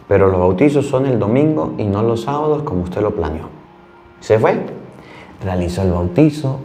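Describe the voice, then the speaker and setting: A man's voice: lowish voice, dark tone. Man, priest from Venezuela, earnest storytelling sermon, echoey room, faint hum. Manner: storytelling, earnest and plain-spoken.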